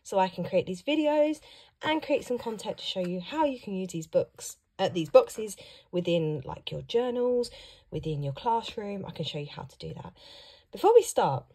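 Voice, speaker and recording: A woman who teaches young children, chatting upbeat through an unboxing vlog while hoarse and losing her voice. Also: mid-range voice, animated, moderate pace, mellow. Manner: chatty and upbeat, reacting to each item. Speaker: primary school teacher and vlogger. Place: at home.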